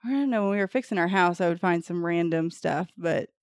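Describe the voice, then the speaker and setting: A woman's voice: on the low side, clean tone, no echo. Giggly woman co-host, dry mic. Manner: casual, giggly, quick asides. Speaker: podcast co-host. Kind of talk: casual podcast chat.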